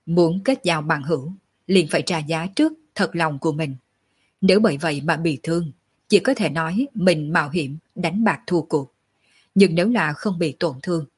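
A woman hosting an audiobook channel, reading a serialized novel aloud with steady narration. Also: sits low, breathy edge.

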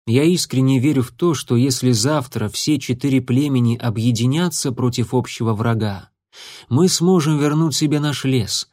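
Brief: male reader as a quiet, regretful tomcat leader, low-key, dry close sound. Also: no echo, close to an everyday voice. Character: tom cat clan leader, grave and regretful.

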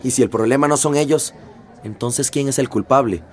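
A man's voice: medium pitch, moderate pace, a little hiss or hum, close to an everyday voice. A man playing an indignant committee leader. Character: indignant male committee leader, pushy citizen. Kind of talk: radio drama acting.

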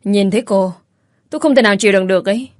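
A woman voicing an angry, scolding old grandmother who rants shrilly and fast. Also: mid-range voice, dry recording, studio quality, close to an everyday voice. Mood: furious.

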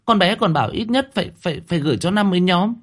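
A man's voice: high voice, animated, very fast, a bit bright, pitched above the performer's own voice. A man voicing a frightened, timid young woman who stammers and pleads. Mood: panicked.

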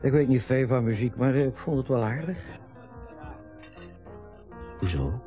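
A man's voice: mid-range voice, animated, a little slow, natural voice. An actor playing a forgetful, hesitant father in his sixties in a naturalistic radio drama. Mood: vague. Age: 60s. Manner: hesitant, vague, short answers. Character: forgetful, hesitant retiring father, fond of trains. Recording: dull lo-fi radio recording with music.

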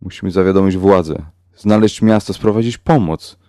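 A man voicing a panicked young man who shrieks in a high, strained, tearful voice. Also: moderate pace, dark tone, dry recording, clean studio sound, natural voice. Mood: urgent.

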